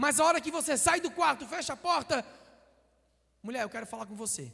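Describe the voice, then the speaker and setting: A man's extremely high, bright and sharp voice, raised and projected, with lively intonation, big swings in loudness and a fairly quick pace, in a Florianópolis accent. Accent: manezinho (Florianópolis). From Florianópolis, Santa Catarina, Brazil. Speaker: preacher. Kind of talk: sermon.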